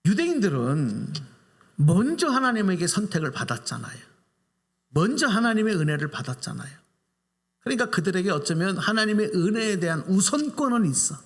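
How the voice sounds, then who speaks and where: Brisk and pitched high, this male pastor swings widely in tone as he preaches his animated Sunday sermon. He questions the congregation from the sanctuary, and the church hall rings with reverberation.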